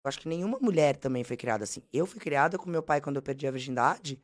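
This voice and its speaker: A woman with a Brazilian Portuguese accent, telling blunt, animated, slangy stories as a podcast guest. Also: deep voice, fast. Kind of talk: casual storytelling.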